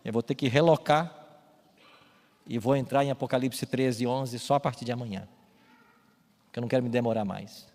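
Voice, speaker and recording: A man preaching a sermon as a pastor in a church, speaking emphatically and building to loud calls. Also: mid-range voice, fairly even intonation, normal speed, pauses often. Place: church with baptismal tank. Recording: long hall reverb, faint music.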